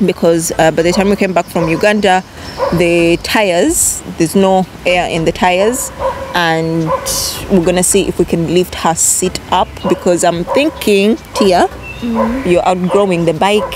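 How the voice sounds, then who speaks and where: The delivery is fairly slow, with ordinary pitch variation. Noticeable background noise sits under a dry sound with no echo. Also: woman. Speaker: vlogger. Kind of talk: casual vlog chat. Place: waterside. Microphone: phone near.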